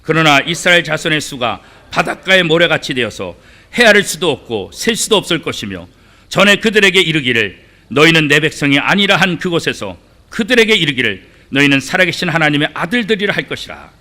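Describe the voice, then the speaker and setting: Animated, bright-voiced male pastor. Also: fairly high pitch, a little fast. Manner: dramatic, acts out quoted voices, swings between loud and hushed; asks the congregation rhetorical questions. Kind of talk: sermon.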